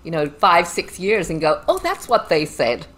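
A woman's voice: on the low side, moderate pace, rough recording. A woman from Zimbabwe with a Zimbabwean accent, chatting animatedly as an interview guest. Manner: chatty and animated, laughs often. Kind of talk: casual interview chat.

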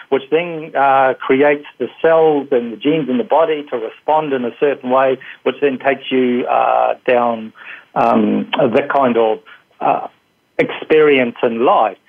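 Man, New Zealand accent, phone-line sound, rambling, full of fillers, interview guest. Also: mid-range voice. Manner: rambling, many fillers and restarts. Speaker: guest, energy healer. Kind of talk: casual interview answers.

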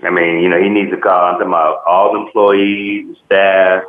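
A man in his fifties co-hosting a sports radio talk show, blunt and halting, repeating his words. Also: low-pitched, little pitch movement. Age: 50s. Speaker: co-host. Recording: tinny phone line.

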